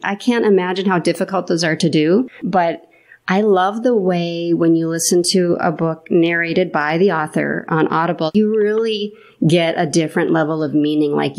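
A woman hosting an interview podcast, reading a bright scripted intro and then chatting with enthusiasm. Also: lowish voice. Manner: upbeat, warmly enthusiastic. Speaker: podcast host.

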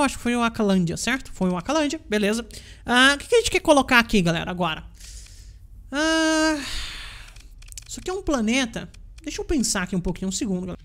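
Excitable Brazilian woman gaming host. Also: medium pitch. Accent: Brazilian Portuguese. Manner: chatty, excitable reactions to the game. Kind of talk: let's play commentary. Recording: voice over loud game music. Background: game music.

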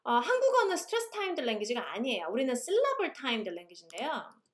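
A woman lecturer explaining English teaching, switching between languages and reading English passages aloud slowly. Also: high-pitched, wildly swooping pitch. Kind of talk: recorded online lecture.

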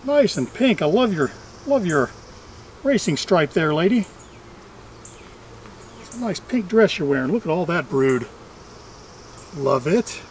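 Middle-aged male vlogger, high voice, chatty and dryly funny working commentary, outdoors with faint background buzz. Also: big pitch swings, unhurried, pauses often, a little hiss or hum. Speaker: beekeeper and vlog host. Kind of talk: casual running commentary while working. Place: outdoors among trees at beehives.

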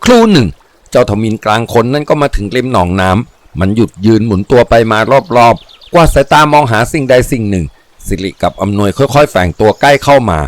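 A man narrating a crime adventure novel in a steady, vivid storytelling voice. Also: mid-range voice, fairly quick, no echo. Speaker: audiobook narrator. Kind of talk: dramatic audiobook reading.

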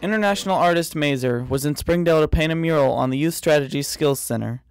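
A man narrating a short documentary from a script, in an even read-aloud manner. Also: fairly high pitch, fast, smooth, dry recording, clean studio sound. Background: light music.

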